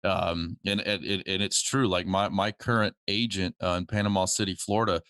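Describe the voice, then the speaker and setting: A man's voice: low voice, little pitch movement, normal speed, fairly bright tone, dry recording, studio quality. A man hosting a podcast in casual chat, telling stories animatedly, laughing often and mimicking other people's voices. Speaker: podcast host.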